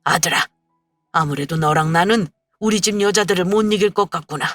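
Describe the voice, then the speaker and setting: A woman's voice: on the low side, a little fast, fairly bright tone, no room sound, faint music behind. Woman doing a grumbling older father. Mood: wry. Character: older father, resigned and wry.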